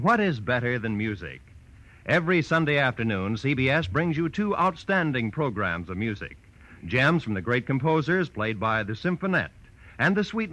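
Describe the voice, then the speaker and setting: A man's voice: mid-range voice, bright, forceful tone, rough recording. An American man announcing in polished, formal, emphatic 1940s network radio style, reading a scripted promo.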